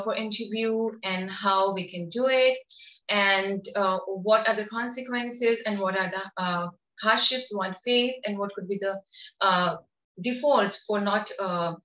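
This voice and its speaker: A middle-aged woman with an Indian English accent gives a formal law course lecture from an office, speaking deliberately with hesitant fillers over a shared webcam mic on a video call. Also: mid-range voice, fairly bright tone. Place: office, seated at a desk beside a colleague. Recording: roomy, dull video-call audio.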